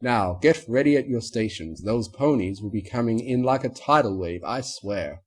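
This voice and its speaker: Guy doing a grandiose stallion showman, gushy and over the top, kinda husky. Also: mid-range voice, animated, normal speed. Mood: brisk. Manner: flamboyant, gushing. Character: grandiose pompous stallion show organizer.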